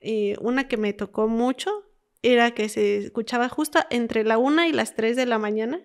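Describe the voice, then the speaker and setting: Smooth-voiced Mexican woman telling stories. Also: fairly high pitch, normal speed. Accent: Mexican Spanish. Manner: animated storyteller, quotes callers with dramatic whispers and pleas. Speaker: former emergency call operator. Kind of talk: conversational storytelling.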